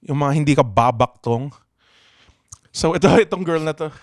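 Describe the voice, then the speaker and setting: On a casual comedy podcast, a young man from the Philippines with a Pangasinan accent reads out listener letters, swearing a lot, laughing often and switching between languages. His voice is a little high at a moderate pace, in a dry, clean studio recording.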